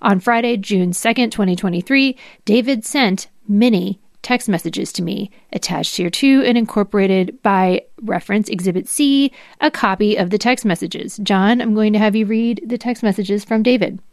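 A woman hosts a podcast, reading formal legal material aloud. Her pitch is average for a woman, and she drops in brief asides. The sound is dry and free of room echo. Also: moderate pace, hardly any pauses, darkish tone. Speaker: podcast host. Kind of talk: dramatic reading of legal documents.

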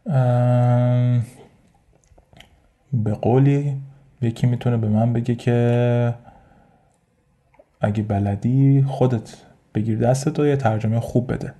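A man's voice: medium pitch, level tone, pauses often, dark tone. A man hosting a casual solo podcast with a Persian accent, thinking aloud in a rambling way with frequent fillers and restarts. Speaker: podcast host.

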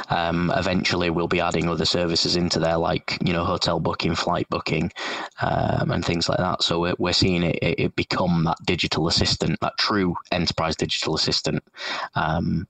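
A man's voice: low voice, gravelly, fairly bright tone, dry recording. A man with a Yorkshire accent, talking about his company's product in a business interview over a call, with lots of restarts and fillers. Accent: Yorkshire English. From northern England. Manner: enthusiastic, many restarts and fillers. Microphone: call audio.

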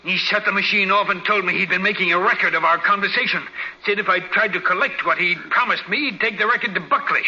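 An actor playing a crooked, bullying board boss in a 1940s radio crime drama, blustering and threatening. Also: male voice, high-pitched, fast talker, bright, forceful tone, muffled recording. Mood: cornered. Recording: old band-limited radio recording, echoey, noisy.

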